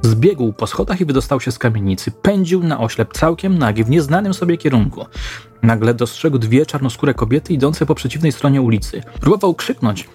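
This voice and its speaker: Give me a man reading a crime story, measured and mid-pitched. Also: lively intonation, a little mellow, husky, soft background music. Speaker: narrator. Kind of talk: scripted true-crime narration.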